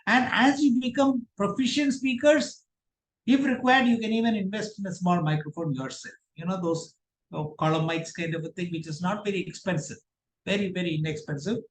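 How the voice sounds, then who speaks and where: Man, Indian accent, slightly high voice, workshop trainer, explanatory, emphatic stresses, roomy online call. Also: brisk. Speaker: public speaking trainer. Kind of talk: online workshop talk with question and answer. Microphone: online video call.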